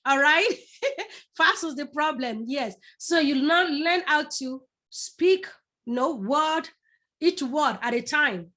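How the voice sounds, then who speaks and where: A woman's voice: high voice, lively intonation, slow, pushed and bright. A middle-aged woman with a Yoruba Nigerian accent, teaching public speaking in a live class, addressing the listeners directly and repeating words for emphasis. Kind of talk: live online masterclass.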